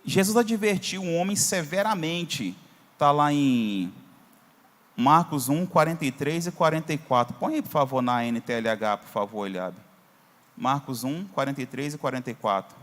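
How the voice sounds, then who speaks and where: A man's voice: fairly high pitch, lively intonation, moderate pace, a bit bright. A man with a Brazilian Portuguese accent, a pastor teaching a Bible class in a conversational way, often checking in with the class. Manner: conversational, asks for verses on screen, frequent "tá?". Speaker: Sunday school teacher, pastor. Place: church hall. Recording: hall reverb.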